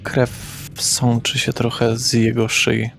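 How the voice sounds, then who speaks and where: A man running a tabletop horror game as game master, narrating in a slow, measured way. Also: mid-range voice, completely flat delivery, vocal fry, fairly bright tone, faint music behind.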